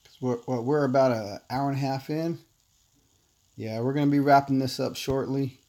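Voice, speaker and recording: A man's voice: mid-range voice, normal speed. Chill guy streaming a game, talks to chat by name, easygoing. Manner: relaxed, chatty, greets viewers by name. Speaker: livestream gamer. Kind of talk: casual livestream chat.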